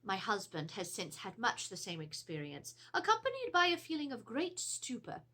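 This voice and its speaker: A woman's voice: on the high side, normal speed, heavily acted. A woman playing an anxious, genteel Edwardian wife in a theatrical, formal reading of a letter about a haunting. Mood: fretful. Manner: theatrical, expressive, formal storytelling. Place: indoors, seated before a draped backdrop.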